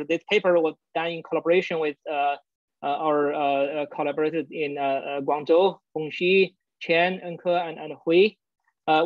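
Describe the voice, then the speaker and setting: Man giving a halting academic talk. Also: on the high side, dry recording. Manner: halting, many fillers like "uh, you know". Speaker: guest speaker. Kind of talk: academic colloquium talk over video call. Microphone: video call. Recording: dull lo-fi video call audio.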